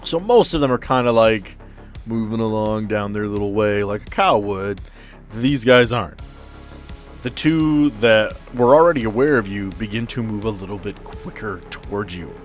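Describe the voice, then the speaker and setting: A man's voice: fairly low pitch, lively intonation, normal speed, faint music behind. A man running a tabletop horror game as game master, improvising narration and rulings in conversation.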